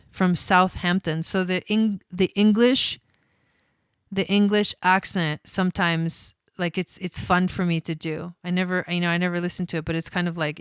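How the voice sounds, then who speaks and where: A woman's voice: on the low side, fairly bright tone, clear, resonant tone, dry recording. A woman from Argentina, an astrologer hosting a casual livestream, chatty and cursing freely with many fillers. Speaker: astrologer host.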